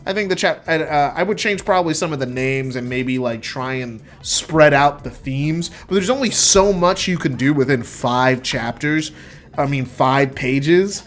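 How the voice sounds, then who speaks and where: A man giving an expressive, casual dramatic reading of his own first-person writing. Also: a little high, measured pace. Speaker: writer reading own work.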